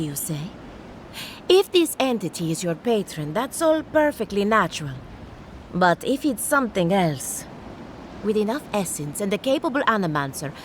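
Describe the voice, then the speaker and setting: A woman plays a learned female scholar in a fantasy game. Her mid-pitched voice swings widely as she explains things with inquisitive, theatrical precision. There is faint noise behind her. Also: natural voice, rough recording. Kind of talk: scripted fantasy video game acting.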